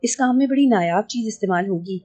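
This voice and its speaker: A scheming male sorcerer, voiced by a woman in an audio novel, boasting of his powers and bargaining over money. The tone stays mellow and dark, with soft music underneath. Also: medium pitch, husky, lightly acted. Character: scheming older male sorcerer, greedy and menacing.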